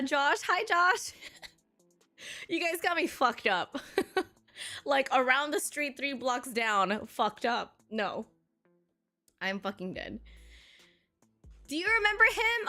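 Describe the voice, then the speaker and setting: Filipino-american girl streaming, high bright voice, cussing n laughing a lot. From Filipino heritage. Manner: blunt and profane, frequent laughter. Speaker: live streamer. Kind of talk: casual live-stream chat.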